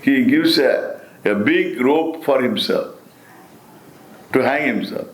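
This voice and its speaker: An older man with an Indian accent gives a spiritual discourse as a Hindu teacher, deliberate and emphatic, repeating phrases and posing rhetorical questions. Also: mid-range voice, a little hiss or hum. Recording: roomy, echoing sound.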